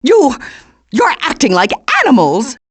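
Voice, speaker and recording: Ruthless neighbourhood-rules tyrant for a cartoon game, animated, high-voiced, haughty and menacing. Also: female voice, a little slow, husky, full character voice. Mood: furious, menacing. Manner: haughty, threatening. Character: officious, ruthless suburban homeowners' association woman. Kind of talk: cartoon video game voice acting.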